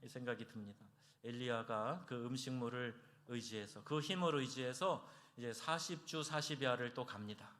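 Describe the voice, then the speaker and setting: A man preaching a Sunday sermon as pastor, acting out quoted prayers and voices with big swings in pitch and loudness. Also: moderate pace. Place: church sanctuary.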